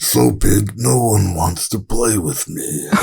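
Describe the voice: Putting on a character voice, a man sounds raspy at a fairly low pitch, his pitch swinging very widely. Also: fairly slow pace.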